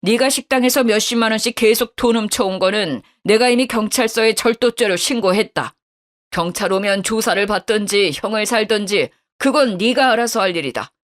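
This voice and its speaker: A woman's voice: mid-range voice, normal speed, close to an everyday voice. A woman voicing a stern older father-in-law who gives curt orders, in a storytelling radio drama. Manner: stern, commanding.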